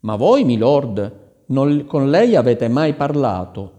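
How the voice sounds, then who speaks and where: A man's voice: medium pitch, big pitch swings, slow, mellow, pitched above the performer's own voice. A man voicing a clever young woman disguised as a viceroy, questioning and giving orders, in a long reverberant hall. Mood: commanding. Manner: commanding, questioning.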